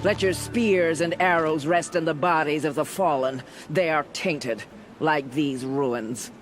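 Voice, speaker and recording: A stern tribal war leader played by a male actor, in a slightly high male register. The delivery is very slow, solemn and commanding, a ceremonial video game speech with music clearly behind it. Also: lightly acted. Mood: grave, commanding.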